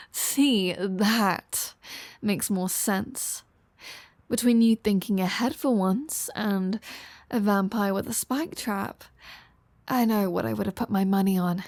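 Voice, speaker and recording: Slow-talking teasing vampire woman, acted by a woman. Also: medium pitch, a little mellow, no echo. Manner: teasing, dry, sarcastic. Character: flirty, teasing female vampire, sardonic and playful. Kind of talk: audio roleplay addressed to the listener.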